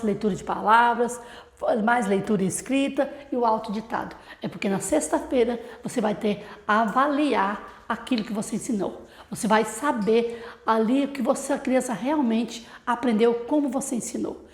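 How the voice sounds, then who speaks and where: Brazilian woman teacher, bright explanatory voice. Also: fairly high pitch, moderate pace, echoey room. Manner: explanatory, with rhetorical questions to the audience. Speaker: literacy teacher.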